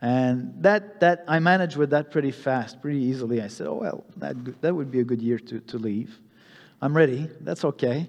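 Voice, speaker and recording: Over a quiet background, a man with a French accent speaks at a medium pitch and moderate pace with lively intonation. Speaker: pastor. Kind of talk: sermon. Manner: halting.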